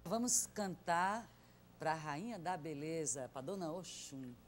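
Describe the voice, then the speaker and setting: A woman's voice: deep voice, slow pace, background noise. A middle-aged woman, interviewing conversationally on stage and reading out questions. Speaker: interviewer, journalist. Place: stage before a seated audience. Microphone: lapel microphone.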